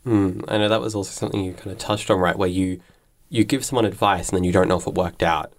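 A man's voice: low-pitched, steady tone, fast talker. A man working as an interviewer, asking questions in a casual, informal, meandering way.

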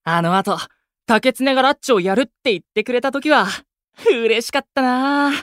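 A male actor playing an exuberant, warm-hearted young idol who teases his friends in rough, boyish speech in a Japanese voice drama. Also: extremely high pitch, lively intonation, moderate pace, no room sound, clean studio sound. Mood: fond reminiscing. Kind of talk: Japanese anime-style voice drama acting.

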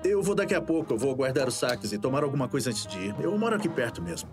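A man acts an easygoing Brazilian saxophonist in an audio drama. His mid-pitched voice swings widely with a teasing manner, over background music. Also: sing-song, quick pace, lightly acted. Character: easygoing male jazz saxophonist, teasing bandmate.

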